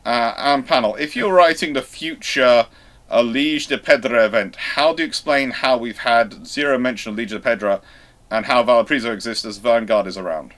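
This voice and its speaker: A man hosting a casual live panel show, speaking haltingly and often circling back to rephrase. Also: mid-range voice, a bit bright. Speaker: host of a live history question show.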